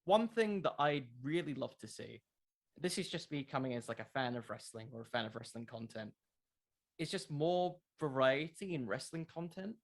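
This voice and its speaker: Casual interview guest: young adult male, middle pitch, earnest, rambling explainer. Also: lively intonation, normal speed. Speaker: interview guest, wrestling content creator.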